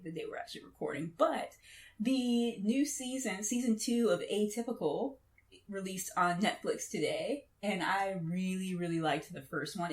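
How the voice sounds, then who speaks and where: Animated woman chatting in an echoey room. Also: mid-range voice. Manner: enthusiastic, heavy use of "like". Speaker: podcast co-host. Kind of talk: casual pop-culture chat.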